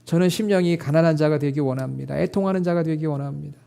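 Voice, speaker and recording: A middle-aged man preaches with a high-pitched but dark, warm tone. He speaks earnestly, rising into emotional quoted prayers and then settling into soft, intimate asides to the congregation. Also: fast talker, gravelly, clear, resonant tone. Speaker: pastor. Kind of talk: sermon.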